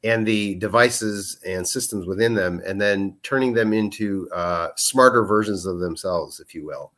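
A man with a fairly low voice explains things at length as a podcast guest. He pauses often on fillers and repeats words as he gathers his thoughts. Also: fairly bright tone. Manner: hesitant, many fillers and restarts, explanatory. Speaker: guest, product manager. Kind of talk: podcast interview.

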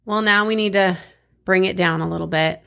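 A woman's voice: fairly low pitch, steady tone, a little fast, creaky, fairly bright tone, clean tone. Bantering American woman podcaster. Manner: joking, bantering. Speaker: podcast co-host. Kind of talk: casual true-crime storytelling chat.

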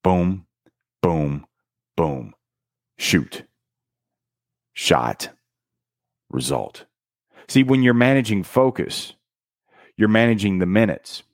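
Emphatic motivational man, lively swings. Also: deep voice, takes it slowly, creaky, long pauses, no echo, studio quality. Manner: energetic and emphatic, with dramatic counting and punchy one-word beats; casual slang like "dude" and "bro". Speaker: book summary host. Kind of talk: motivational book commentary.

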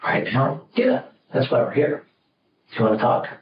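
A male police officer gently coaxing a teen, heard on old interrogation tape footage from an interrogation room. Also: medium pitch, big pitch swings, normal speed. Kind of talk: interrogation talk. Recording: roomy, distant, dull, noisy interrogation tape.

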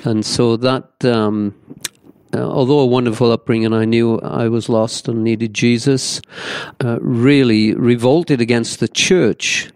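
A man's voice: mid-range voice, fairly even intonation, unhurried, darkish tone, smooth, no echo. A man in his seventies with a Welsh accent, a pastor telling his life story in an interview in an earnest, reflective way with many fillers. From Wales. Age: 70s.

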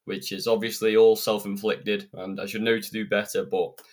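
Sniffly low-voiced man hosting. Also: flat delivery, normal speed. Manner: earnest, rambling and chatty. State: slightly croaky and sniffly with a cold. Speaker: podcast host. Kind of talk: solo self-improvement podcast monologue. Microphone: podcast microphone.

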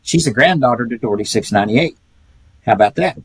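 A man's voice: mid-range voice, expressive, quick pace, breathy edge, dry recording, low-quality recording. An older man, telling folksy stories as a podcast guest and chuckling often. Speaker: guest, retired pedigree reader. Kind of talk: casual podcast chat.

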